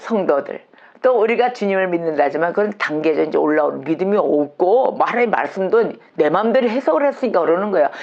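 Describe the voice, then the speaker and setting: Her pitch swings very widely in an animated tone. The woman keeps a very even loudness at a fairly quick pace. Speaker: pastor. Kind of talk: sermon.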